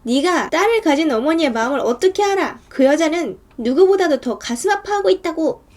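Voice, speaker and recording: A woman's voice: high voice, lively intonation, fairly quick, a little mellow, pitched above the performer's own voice. A woman voicing a middle-aged woman defense lawyer in a spoken movie retelling, asking pointed, probing questions. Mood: angry.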